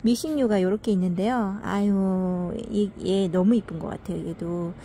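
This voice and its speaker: Mellow-voiced woman chatting over her plants. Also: medium pitch, steady tone, normal speed, slight background noise. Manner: fond, chatty, fussing over plants with little sighs. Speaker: succulent gardening vlogger. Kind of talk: casual narration while filming plants. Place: home veranda.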